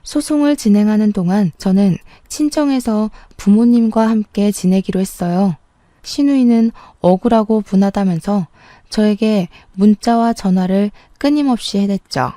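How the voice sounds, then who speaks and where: A young adult woman narrating a first-person story in a plain, even manner. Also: mid-range voice, moderate pace, no echo.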